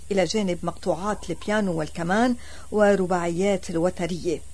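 A woman speaks with a normal speaking voice. Her pitch is medium and her pace is moderate. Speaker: radio presenter. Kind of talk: radio interview hosting.

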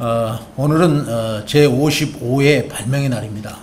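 Light background noise sits under a man's voice. He talks at a very slow pace with ordinary pitch variation. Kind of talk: official press briefing. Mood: serious, measured. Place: meeting room. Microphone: podium.

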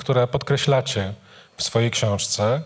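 A man at a fairly slow pace, ordinary pitch variation, quiet background. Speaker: journalist and moderator. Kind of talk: moderated panel discussion. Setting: stage with audience. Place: hall. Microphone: handheld.

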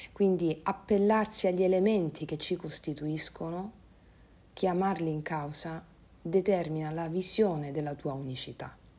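A woman speaks with a dark, mellow tone that is calm and soothing, her pitch fairly low. Her pitch varies in an ordinary way, and the recording is very clean with a silent background. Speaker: holistic coach and tarot reader. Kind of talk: guided meditation. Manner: slow, soft, calm and soothing; warm, intimate, addressing viewers affectionately.

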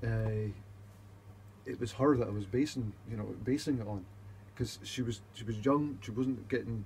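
Over light background noise, a man talks at a fairly quick pace and a medium pitch. His intonation is fairly even, broken by long, frequent pauses. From Scotland. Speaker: whisky podcast co-host. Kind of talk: casual chat. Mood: relaxed, animated. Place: home room.

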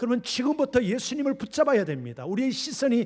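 A man speaks in a passionate tone. His pitch swings very widely. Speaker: preacher. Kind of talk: sermon to a congregation, preacher in full flow. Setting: church. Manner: passionate, urgent, rising in intensity, pleading with the congregation; repetitive, rhetorical questions, direct address to 'you all'.

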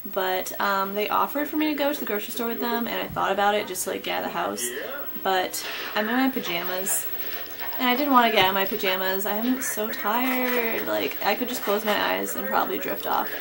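Noticeable background noise sits behind a woman's voice. She speaks at a fairly quick pace with lively intonation. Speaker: vlogger mother. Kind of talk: casual vlog chat. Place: home room.

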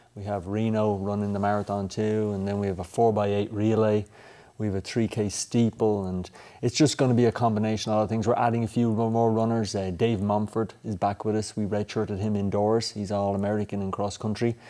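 Against a quiet background, a man with a fairly low pitch and a dark, mellow tone speaks at a fairly quick pace in a monotone, flat intonation. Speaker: college track and cross country coach. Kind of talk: interview. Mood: relaxed, friendly. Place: studio.

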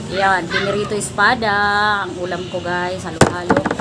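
A woman talks at a fairly slow pace with audible room echo and noticeable background noise. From Bicol, Philippines. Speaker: vlogger. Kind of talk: casual cooking vlog.

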